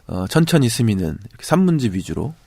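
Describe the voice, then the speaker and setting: A man's voice: medium pitch, big pitch swings, fast talker, vocal fry, darkish tone, husky, no echo. A man co-hosting a casual book podcast, speaking with a stuffy, congested nose. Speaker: podcast co-host. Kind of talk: casual book podcast chat, reading listener comments.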